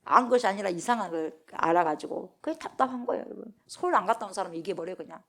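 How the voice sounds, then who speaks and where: A middle-aged woman pastor preaching at a dawn prayer service, her voice at a middle pitch. She presses her points hard, keeps firing questions at the congregation and then answers them. When she acts out the figures in the text, her voice rises. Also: expressive, quick pace. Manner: acts out scripture speakers in a raised voice.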